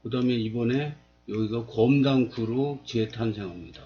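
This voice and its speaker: A man's voice: mid-range voice, normal speed, highs cut off. A man in his fifties talking casually on his own channel, explaining a local area while pointing things out on a map and asking himself rhetorical questions. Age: 50s. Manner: plain, steady, asks rhetorical questions. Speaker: video blogger.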